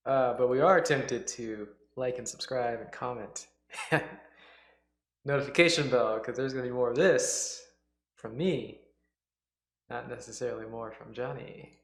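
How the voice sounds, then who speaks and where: A man's voice: mid-range voice, measured pace, roomy sound. A man hosting a livestream, giving casual, joking, offhand reaction commentary. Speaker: livestream host reacting to old radio shows.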